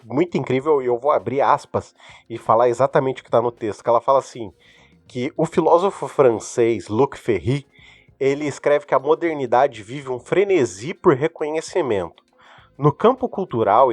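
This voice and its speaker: A Brazilian man at a mid pitch co-hosts a podcast, talking through an article with small restarts before reading it out. His voice is dry and close, with faint music underneath. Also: no echo. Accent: Brazilian Portuguese. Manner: hesitant restarts, then reads a quoted article aloud. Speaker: podcast co-host. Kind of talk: casual podcast commentary.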